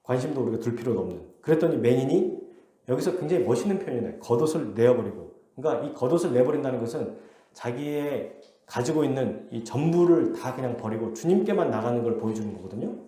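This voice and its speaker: A man's voice: medium pitch, animated, quick pace, mellow, reverberant. A man preaching an expository sermon as pastor, telling the story with acted-out voices and questions to his listeners. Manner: asks the congregation questions. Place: church sanctuary.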